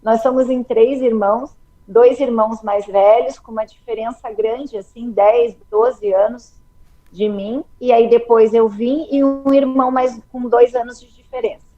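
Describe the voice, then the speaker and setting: A Brazilian woman in her forties from Curitiba, a guest telling her story calmly in an interview. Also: a little high, measured pace, phone-quality sound. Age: 40s. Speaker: guest, ophthalmologist. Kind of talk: interview conversation.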